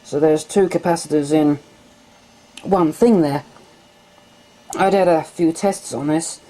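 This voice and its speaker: Low, mellow-voiced woman demoing gear. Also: slow pace, low-quality recording. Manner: calm step-by-step explaining while handling equipment. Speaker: hobbyist vlogger. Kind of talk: casual demonstration narration. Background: faint machine hum.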